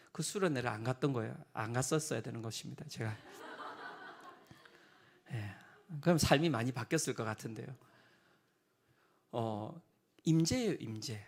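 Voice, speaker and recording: A middle-aged man preaching a sermon, telling a personal testimony in an animated way and acting out the voices he quotes. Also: medium pitch. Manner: animated storytelling, acts out quoted voices, drops to whispers. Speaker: pastor.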